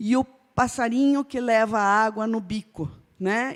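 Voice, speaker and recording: A woman with a plain, everyday voice speaks fairly high with ordinary pitch variation, her sound dry and close with no echo on a very clean recording with a silent background. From Brazil, Ukrainian-speaking family. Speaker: professor. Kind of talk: panel talk. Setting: stage with audience.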